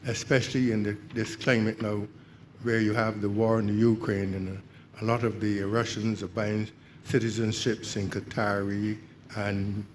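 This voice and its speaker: Older bajan guy at a community meeting, lowish voice, lots of ums, bit of background noise. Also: flat delivery, moderate pace. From Barbados. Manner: hesitant, many fillers. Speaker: audience member. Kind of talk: public consultation comments.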